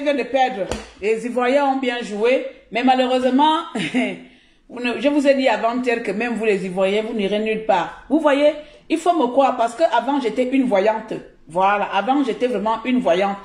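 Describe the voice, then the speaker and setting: A woman's voice: a little high, darkish tone, roomy sound. A woman from Cameroon with a Cameroonian French accent, giving blunt, mocking live commentary as a streamer.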